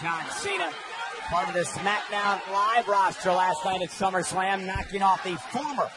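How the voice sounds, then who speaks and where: A man doing excited live wrestling commentary as play-by-play caller, exclaiming and calling the action in short bursts. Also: sits high, normal speed. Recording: loud arena crowd and noise behind. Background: roaring arena crowd.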